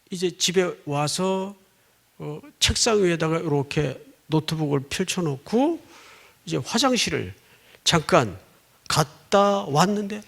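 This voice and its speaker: A middle-aged man delivers a sermon as a story, his voice high and gravelly. He swings from loud outbursts to soft, near-whispered lines, and keeps prompting the congregation for a response. His pitch rises and falls across a lively range. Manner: storytelling with dramatic swings, acting out shouts and whispers. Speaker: pastor.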